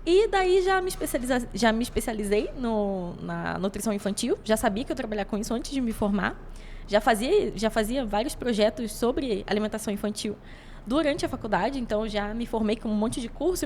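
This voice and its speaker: A young woman in her twenties speaks with a Rio de Janeiro accent and a fairly high voice, rattling off her answers at a quick clip. She tells her story with animated energy. Her voice carries a long, ringing reverb. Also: slight background noise. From Rio de Janeiro, Brazil. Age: 20s. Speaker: guest, child nutritionist. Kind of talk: conversational interview answers.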